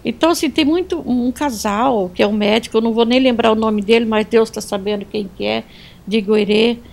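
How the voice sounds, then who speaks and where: A woman's voice: on the high side, fairly quick, vocal fry, darkish tone. A woman who owns an atelier, giving an earnest speech of thanks indoors and sprinkling it with religious phrases. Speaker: atelier owner, guest.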